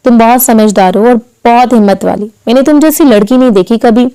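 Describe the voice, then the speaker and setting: Brief: soft-spoken young husband, tender and calm, read by a woman, smooth warm tone. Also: a little high, a little fast, lightly acted. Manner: gentle, calm.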